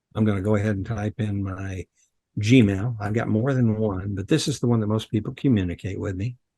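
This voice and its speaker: Over a quiet background, a man with a fairly low pitch and a dark, mellow, somewhat breathy tone speaks at a fairly quick pace with fairly even intonation, the sound dry and close with no echo. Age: 70s. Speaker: communications coach and club leader. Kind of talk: video call interview.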